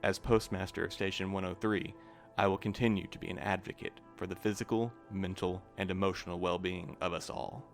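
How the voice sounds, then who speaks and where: A man playing a stiff, officious postmaster reading a formal staff letter in an audio drama, in a measured way. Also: deep voice, fairly even intonation, soft background music. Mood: formal, concerned.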